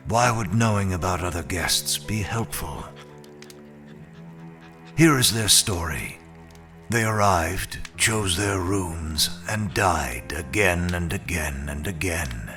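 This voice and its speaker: An actor playing a coldly formal immortal attendant in an audio drama, speaking in a blunt, measured, curt manner. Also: male voice, sits low, bright, forceful tone, soft background music, exaggerated voice.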